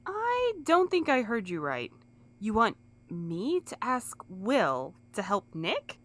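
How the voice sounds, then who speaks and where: A woman playing a gentle, earnest, sometimes exasperated courier in an audio drama. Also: medium pitch, huge pitch swings, slow pace, exaggerated voice. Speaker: voice actor in a fiction podcast. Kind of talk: scripted audio drama acting.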